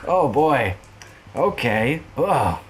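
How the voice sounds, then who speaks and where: An excitable man commentates his tabletop wargame in casual chat. His pitch moves a lot, leaping up at each surprise. He laughs often and talks to his opponent as he plays. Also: drawn-out words, crowd noise. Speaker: wargame player and channel host.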